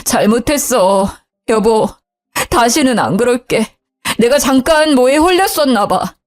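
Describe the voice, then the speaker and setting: A woman's voice: on the high side, sing-song. A woman voicing a guilty young husband who begs for forgiveness, in a storybook reading. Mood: begging. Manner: pleading, slow and apologetic. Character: guilty young husband, begging and weak-willed.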